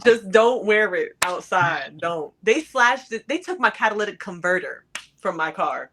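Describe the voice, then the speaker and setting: A woman's voice: mid-range voice, lively intonation, a little slow, background noise. A woman from New York, a podcast guest in casual chat, teasing and laughing.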